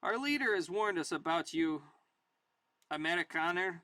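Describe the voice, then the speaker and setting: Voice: medium pitch, lively intonation, normal speed, sharp tone, no room sound. A person voicing a threatening, proud young German soldier from a war comic, with a mock German accent. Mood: menacing.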